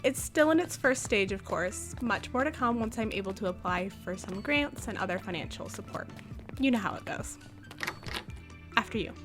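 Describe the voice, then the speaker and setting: A woman's voice: medium pitch, expressive, normal speed, music in the background, natural voice. A woman playing a gracious, encouraging school leader in an audio drama, speaking politely and rather formally.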